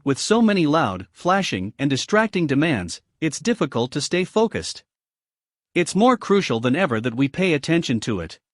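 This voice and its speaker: A man's voice: on the high side, no echo, clean studio sound. A man with a Greek accent narrating a self-help audiobook, reading expressively and asking the listener many questions.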